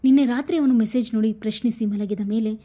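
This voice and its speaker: A woman with a Kannada accent tells a serialized romance aloud, voicing every character herself. Her voice is husky, dark and mellow, and sits a little high for a woman. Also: fast. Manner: reads every part herself, quotes louder than the narration. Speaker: storyteller. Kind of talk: scripted story narration with dialogue.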